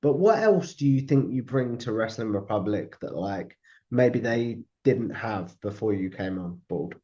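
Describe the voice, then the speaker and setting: A man's voice: on the low side, expressive, unhurried, dark tone, dull audio. A man hosting a podcast, asking loose questions in a casual interview and murmuring brief acknowledgements. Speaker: podcast host.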